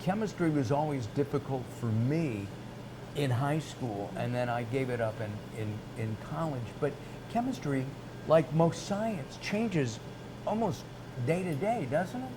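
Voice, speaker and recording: A man hosting an interview, speaking haltingly and often restarting his words. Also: medium pitch, lively intonation. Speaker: interview host. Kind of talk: casual interview. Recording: noisy background.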